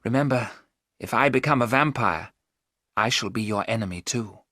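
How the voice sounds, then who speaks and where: A man reading aloud, voicing a young woman under a vampire's spell who speaks in a grave, hushed way. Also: medium pitch, moderate pace, no room sound, clean studio sound.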